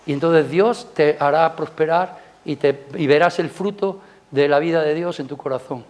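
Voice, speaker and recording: A man with a Spanish accent delivers a Sunday sermon in a church, his voice sitting somewhat high. He talks with the congregation as much as at them, tossing in rhetorical questions. On key points he climbs higher and louder, then falls back to a soft, low aside. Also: moderate pace. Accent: Spanish from Spain. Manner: rises loud and high on emphasis, drops soft. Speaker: preacher. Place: church service.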